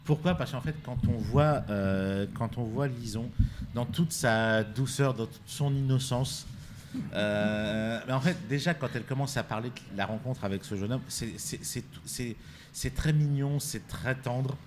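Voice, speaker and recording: A man's voice: mid-range voice, a little slow, a little hiss or hum. A man hosting a live radio interview at a festival, chatty and hesitant with many fillers. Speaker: radio host.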